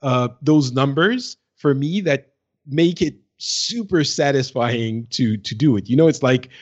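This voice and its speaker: A man's voice: mid-range voice, measured pace, breathy edge, dull audio. A man co-hosting a casual gaming podcast, thinking aloud in a hesitant way. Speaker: podcast co-host.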